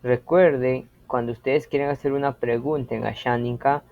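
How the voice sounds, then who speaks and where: A man teaching a language lesson, explaining slowly and patiently and repeating example phrases with care. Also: mid-range voice, steady tone, no room sound. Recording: dry, tinny phone-like audio.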